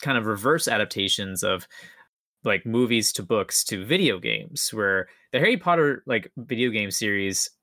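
Young dude on a podcast, slangy and rambly, punchy bright voice, kinda low. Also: male voice, animated, normal speed, dry recording, studio quality. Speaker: podcast co-host. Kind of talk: casual chat.

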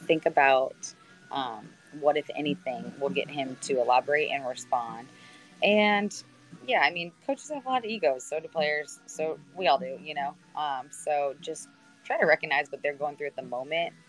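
A woman in her thirties with a naturally deep voice, a sideline reporter chatting on a video call, sprinkling her answers with ums and restarts. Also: normal speed, faint music behind, poor audio. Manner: conversational, lots of fillers and restarts. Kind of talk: answering student questions on a call.

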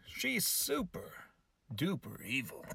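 A man's voice: mid-range voice, wildly swooping pitch, slow pace, creaky, bright, forceful tone, slightly rough, dry recording, clean studio sound. A man hosting a comedy podcast, bantering with a guest in a sarcastic, mock-insulting way. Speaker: podcast host.

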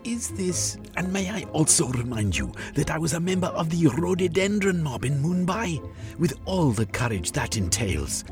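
A man reader voicing a pompous, self-important middle-aged gentleman who gives blustering, indignant speeches. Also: on the high side, sing-song, moderate pace, over music, voice pushed up.

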